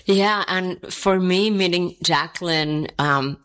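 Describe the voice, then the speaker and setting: A woman's voice: on the low side, slow, a bit bright, clean tone. A woman from Colombia co-hosting a podcast, speaking earnestly and listing her words one by one. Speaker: podcast co-host. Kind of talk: reflective conversational talk.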